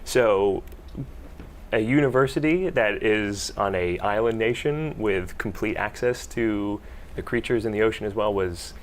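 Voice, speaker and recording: A man's voice: lowish voice, measured pace, slight background noise. A man from the United States, a PhD student on a panel, talking casually with many fillers and restarts. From Pittsburgh, United States. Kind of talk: panel discussion.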